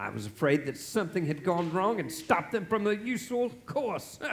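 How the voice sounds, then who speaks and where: A man puts on a gruff character voice, pitched high and swinging very widely in pitch. He talks at a moderate pace. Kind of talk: stage radio play acting. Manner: gruff, scornful, miserly.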